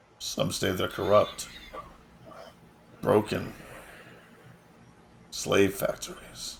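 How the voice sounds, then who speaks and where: A man's put-on character voice, raspy and solemn in tone, at a very slow pace with long, frequent pauses. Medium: actual play. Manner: cryptic, solemn.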